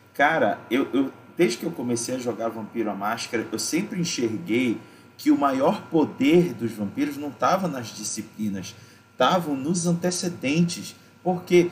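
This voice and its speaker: A somewhat breathy man with a fairly high pitch speaks at a fairly slow pace with lively intonation. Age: 20s. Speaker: RPG streamer and host. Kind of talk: casual panel discussion.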